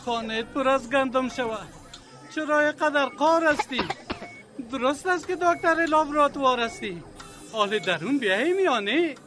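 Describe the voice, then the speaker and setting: A man's voice: very high voice, music in the background. An Afghan-accented male actor playing a simple, folksy, complaining village patient in a comic radio drama. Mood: cheeky.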